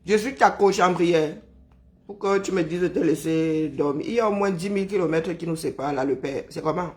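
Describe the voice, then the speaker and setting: Hoarse and worn out, a woman with a Cameroonian French accent chats with her live-stream viewers at a fairly low pitch. She teases them, greets each one by name, and fills pauses with hums and long sighs.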